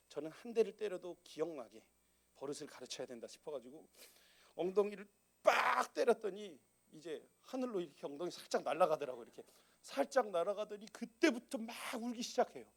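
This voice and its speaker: A pastor in his thirties preaching a sermon in a lively, conversational storytelling manner. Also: fairly high pitch.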